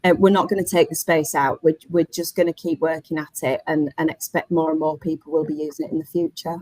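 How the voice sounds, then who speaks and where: A woman with a slightly low voice talks casually on a business panel. She is plain-spoken and conversational, with a dry, echo-free sound. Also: level tone, a little fast, darkish tone. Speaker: webinar panellist, workspace operator. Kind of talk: casual professional panel discussion.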